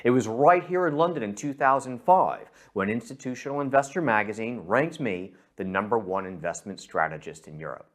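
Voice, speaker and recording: Middle-aged American man, mid-pitched, persuasive scripted pitch straight to the listener. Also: animated, a little fast, hardly any pauses. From San Francisco, USA. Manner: persuasive, addresses the listener directly. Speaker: investment director presenting. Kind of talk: scripted investment sales presentation.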